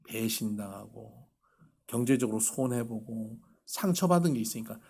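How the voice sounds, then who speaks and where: Speaking at normal speed in a lowish, creaky, husky voice, a male pastor delivers a sermon full of lively stories, voicing each character he quotes.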